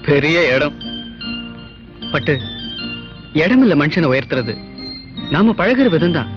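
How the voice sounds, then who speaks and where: Young wealthy lover, soft and coaxing, slightly high voice, muffled film audio over guitar music. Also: male voice, very animated, slow pace. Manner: coaxing, tender. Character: young rich man courting his sweetheart.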